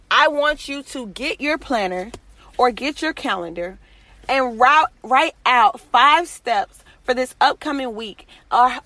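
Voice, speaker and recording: Casting: female faith podcast host, higher-pitched bright voice, urging listeners on with emphatic repeated phrases. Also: no room sound. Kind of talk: motivational faith talk to listeners.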